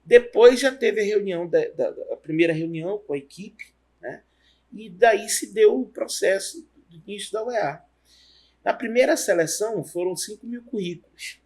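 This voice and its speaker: Husky-voiced Amazonian professor, halting. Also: male voice, high-pitched, darkish tone. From Amazonas, Brazil. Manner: rambling, halting storytelling with restarts. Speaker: university professor, guest. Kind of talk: relaxed career interview.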